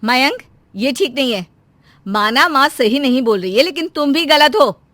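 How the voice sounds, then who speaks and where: A woman's voice: high-pitched, lively intonation, normal speed, a bit bright, no echo. A woman voicing a young wife caught between her husband and her mother in a cartoon story, earnest and pleading.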